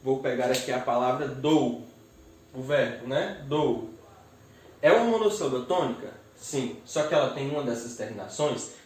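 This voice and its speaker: A man teaching a grammar lesson, explaining step by step and slowly splitting words into syllables. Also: medium pitch, animated, distant mic. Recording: echoey room, voice away from the mic.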